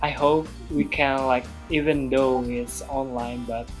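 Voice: medium pitch, fairly even intonation, a little slow, faint music behind. An interviewee from Indonesia chatting casually on a video call.

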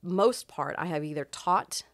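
Chatty woman, low voice. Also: a little slow, dry recording, studio quality. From Texas, US. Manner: chatty, expressive storyteller. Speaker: guest. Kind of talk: casual chat.

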